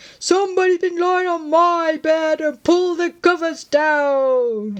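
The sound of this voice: This is a put-on character voice at an extremely high pitch, with growling. It moves at a fairly slow pace.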